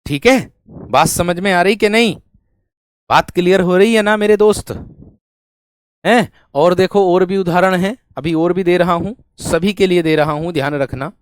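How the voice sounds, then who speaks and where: Here a Hindi grammar teacher speaks in a smooth, high-sitting male voice at a moderate pace. During his classroom lesson he dictates example sentences, goes over phrases again, and keeps asking familiar rhetorical questions to confirm students are keeping up.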